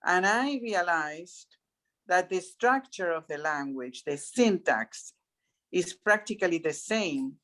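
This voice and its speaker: An older woman talking in an animated, chatty way on a video call. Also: fairly low pitch, slow pace. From Italy, Arbëresh community. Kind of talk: casual video call discussion.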